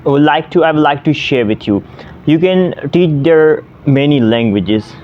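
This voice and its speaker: A man's voice: fairly high pitch, expressive, normal speed, lo-fi sound. A man in his twenties from Pakistan, a native Sindhi speaker, talking casually to the camera as an online language tutor, with many fillers and restarts. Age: 20s.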